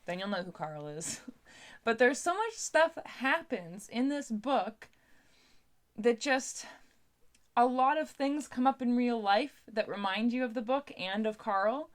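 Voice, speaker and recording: A woman's voice: on the high side, lively intonation, a little slow. A woman with a Canadian accent chatting casually to viewers as a book vlogger, informal and talkative. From Ontario, Canada. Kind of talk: casual chat to camera.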